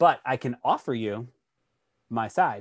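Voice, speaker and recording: A man talks with an American accent. The recording is very clean with a silent background, dry and close with no echo. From Massachusetts, Worcester. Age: 30s. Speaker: professional dancer. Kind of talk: casual chat.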